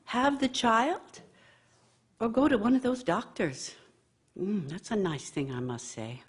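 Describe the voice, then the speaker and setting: Scornful nagging wife in a radio play, raspy high voice, really swoopy, bitter and needling. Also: female voice. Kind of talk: radio theater monologue.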